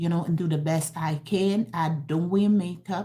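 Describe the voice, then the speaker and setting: A woman's somewhat breathy, dark, mellow voice, fairly low in pitch, at a moderate pace with fairly even intonation. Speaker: vlogger. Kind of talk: casual livestream talk. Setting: livestream. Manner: imprecise pronunciation.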